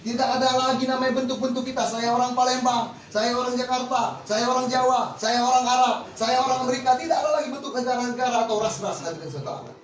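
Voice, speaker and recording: A man's voice: extremely high pitch, steady tone, quick pace, few pauses. A man preaching a Muslim sermon, exhorting listeners with rhetorical questions. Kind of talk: religious sermon to an audience. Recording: echoey, distant mic with faint noise.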